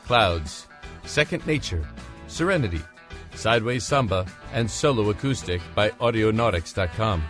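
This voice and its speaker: A man's voice: lowish voice, expressive, normal speed, a bit bright. A man reading out scripted music credits as an announcer. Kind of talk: scripted narration.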